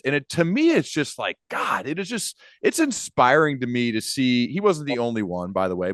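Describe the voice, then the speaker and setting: A man interviews as a podcast host in a casual, earnest style. His voice sits at a medium pitch and sounds enthusiastic, as if thinking aloud. The recording is close and dry, with little room sound. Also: dry recording.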